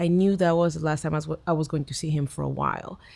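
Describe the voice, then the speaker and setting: Recorded very cleanly against a silent background, a woman with a Spanish accent speaks in a dark, mellow tone at a fairly low pitch with monotone, flat intonation. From Mexico City, later Texas. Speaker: city immigration official, lawyer. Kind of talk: interview. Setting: studio.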